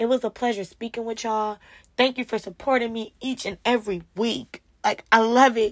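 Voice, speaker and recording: Animated in tone, a woman with a fairly high pitch speaks at a moderate pace on a very clean recording with a silent background. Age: 20s. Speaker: motivational podcast host. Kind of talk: motivational talk.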